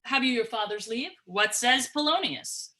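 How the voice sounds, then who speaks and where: Reproving, silver-tongued king and stepfather played by a woman, high and bright, formal Shakespearean verse. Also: normal speed. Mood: courtly. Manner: formal, stately verse delivery. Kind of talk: livestreamed Shakespeare dramatic reading. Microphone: remote livestream from own location.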